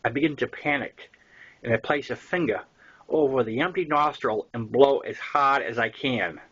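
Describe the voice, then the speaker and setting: Husky older man with a Boston accent. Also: mid-range voice, normal speed, a bit bright, muffled recording. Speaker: author reading his own novel. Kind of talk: first-person audiobook narration.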